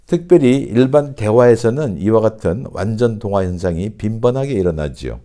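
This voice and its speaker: A man teaching an online English pronunciation lesson, speaking slowly and deliberately and repeating example sentences. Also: fairly low pitch, lively intonation, warm tone.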